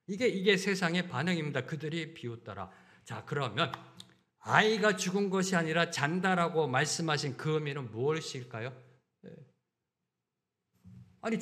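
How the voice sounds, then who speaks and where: A slightly high-voiced, middle-aged pastor delivers his sermon in the church sanctuary, leaning on repetition and rhetorical questions. His delivery alternates between booming emphasis and hushed asides.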